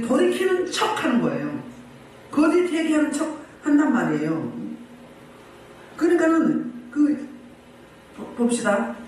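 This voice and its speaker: Male pastor, sermon; high animated voice, emphatic, heard from a distance with faint background noise. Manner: emphatic, lively preaching with many rhetorical questions. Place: church meeting room. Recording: very echoey room, voice from afar, faint noise.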